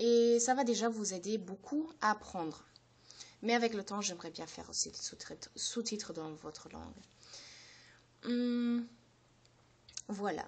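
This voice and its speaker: A woman speaks somewhat breathily at a fairly slow pace, with ordinary pitch variation. Her loudness swings widely, and she takes long, frequent pauses. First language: German (speaking French). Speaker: language teacher. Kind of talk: channel intro explanation. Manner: halting, many hesitations.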